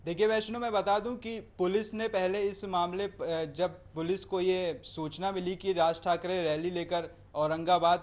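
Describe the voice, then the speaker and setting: A man's voice: high-pitched, fairly even intonation, unhurried, few pauses. A man reporting live as a news correspondent, explaining in long, winding sentences with hesitations.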